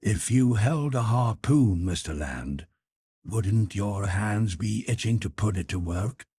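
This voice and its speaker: Man as a composed, husky, low-voiced sea captain. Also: animated, slow pace, warm tone, dry recording, exaggerated voice. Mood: coolly inviting. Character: composed, courteous, commanding submarine captain.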